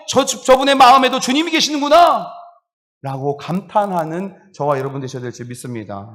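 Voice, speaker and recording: A male pastor preaching a sermon, lively and animated, acting out exclamations and laughing along as he speaks. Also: high-pitched. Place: church sanctuary. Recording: reverberant church hall.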